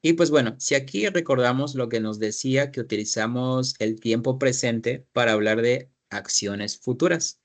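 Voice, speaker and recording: A man's voice: mid-range voice, normal speed, few pauses. A man teaching an English class, explaining grammar in Spanish, repeating his students' sentences and asking guiding questions.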